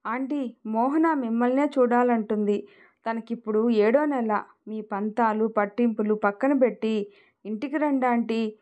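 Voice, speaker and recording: A woman's voice: on the high side, fairly even intonation, measured pace, a little mellow, muffled recording, close to an everyday voice. A woman voicing a loving young husband who tenderly pleads and comforts, in an emotional audio story. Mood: pleading. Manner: affectionate, pleading.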